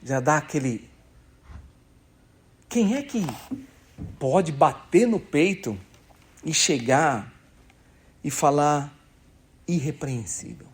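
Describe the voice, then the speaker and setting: A man's voice: on the high side, animated, takes it slowly, long pauses. A man preaching a sermon in church, conversational and emphatic, asking the congregation questions. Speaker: pastor.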